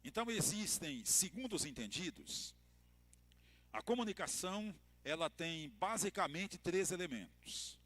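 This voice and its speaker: A man with a Brazilian Portuguese accent, a pastor giving a church lecture to couples, telling stories with expressive emphasis and light humor. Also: high-pitched, measured pace.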